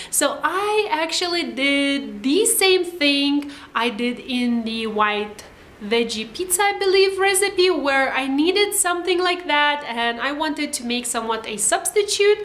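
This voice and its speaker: Over music in the background, a woman with a Lithuanian accent speaks at a high pitch, with audible room echo. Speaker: cooking vlogger. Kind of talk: cooking tutorial. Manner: casual, chatty with fillers.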